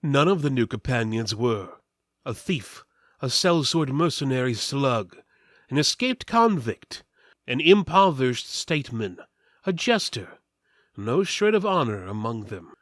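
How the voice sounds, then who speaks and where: A man's voice: medium pitch, sing-song, measured pace, a bit bright, no room sound, studio quality. A man giving a dramatic, mock-epic reading of a fantasy tale as its narrator. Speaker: narrator, reader.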